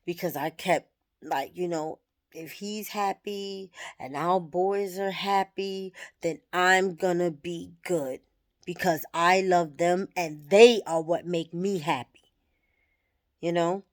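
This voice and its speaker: A woman in her thirties vlogs a personal, reflective monologue, talking candidly to the camera and swearing freely as she thinks aloud. She speaks slowly in a fairly low voice with fairly even intonation.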